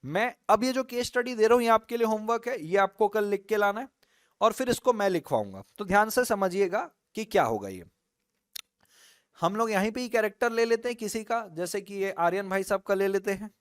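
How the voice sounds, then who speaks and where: Guy teaching an online law class, high clear voice, teasing his students, dry close sound. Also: a little fast, no room sound. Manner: teasing students, lively storytelling. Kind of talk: online live class lecture.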